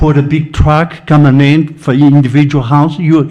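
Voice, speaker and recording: A man's dark, mellow voice at a fairly slow pace, with audible room echo. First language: not English. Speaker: local resident speaking at public meeting. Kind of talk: public comment at town meeting. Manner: halting.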